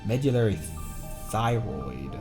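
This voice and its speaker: A man's voice: lowish voice, sing-song, slow. Male streamer reading game text over music. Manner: stumbles over words, repeats and self-corrects. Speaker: livestream host, VTuber. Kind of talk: reading game text aloud with casual reactions.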